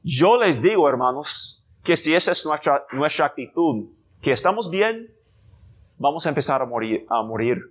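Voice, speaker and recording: A man preaching a sermon as pastor, deliberate and emphatic, with rhetorical questions and sudden rises in pitch. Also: expressive, a bit bright. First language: English.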